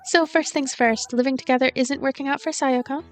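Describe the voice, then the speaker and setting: A woman's voice: high voice, steady tone, brisk, faint music behind, lightly acted. A woman voicing a dignified, teacher-like young woman who takes charge in a story game, reasoning in an orderly, bossy way. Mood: brisk, composed.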